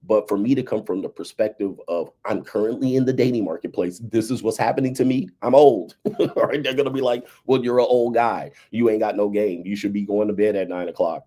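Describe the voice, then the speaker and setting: A man's voice: fairly low pitch, warm tone. A man in his fifties giving casual, emphatic commentary on dating and relationships, often tagging his points with "right?" and "okay". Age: 50s.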